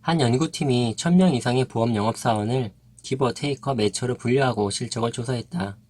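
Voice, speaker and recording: A man narrating a nonfiction book in an even, measured reading voice. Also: medium pitch, no room sound. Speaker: audiobook narrator.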